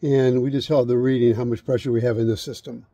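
Middle-aged male instructor, deep-toned and dry, walks through steps outdoors, keeps checking "okay?". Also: little pitch movement, fast talker, mellow, no room sound. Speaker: HVAC instructor. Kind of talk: hands-on how-to demonstration. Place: outdoors beside an air conditioner unit. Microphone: camera held close, point of view.

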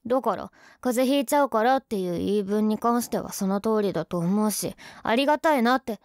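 A woman's voice: mid-range voice, animated, fairly quick, a little mellow, no echo, studio quality, close to an everyday voice. A woman playing a young tsundere girlfriend in an ASMR role-play, huffy and sulky but affectionate underneath. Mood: softening, affectionate.

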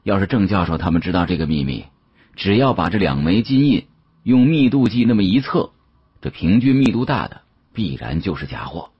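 A man voicing a savvy, guarded young male antique dealer in an audiobook, with a husky voice. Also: sits low, very animated, brisk, dry recording, muffled recording, exaggerated voice. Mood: confident.

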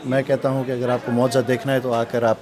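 A man, a provincial assembly member, answering interview questions outdoors near a shrine, earnest, with hesitant pauses and English words mixed in. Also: medium pitch, little pitch movement, crowd noise.

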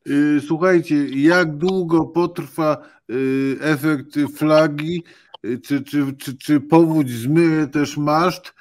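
Man hosting a video-call panel, halting questions. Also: fairly high pitch, steady tone, a little mellow. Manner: hesitant, repeats words while framing questions. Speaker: host. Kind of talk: political panel discussion. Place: home study with bookshelves.

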